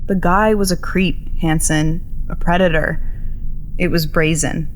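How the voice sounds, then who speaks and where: A woman's voice: on the low side, fairly even intonation, measured pace, slight background noise, natural voice, poor audio. An actress playing a stubborn, bitter young woman journalist in a naturalistic audio drama, blunt and sarcastic as she argues. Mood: bitter, defensive.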